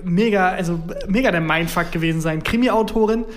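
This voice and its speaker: High-voiced man, playfully chatting. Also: a little fast. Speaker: podcast co-host. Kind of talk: casual comedic chat.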